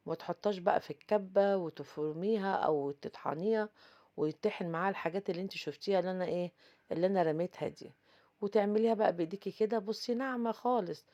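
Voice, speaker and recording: A woman's voice: lowish voice, mellow. A woman with an Egyptian Arabic accent hosting a casual cooking tutorial, chatty and talking straight to her viewers with lots of fillers. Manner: chatty, addresses viewers directly, frequent fillers. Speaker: cooking channel host.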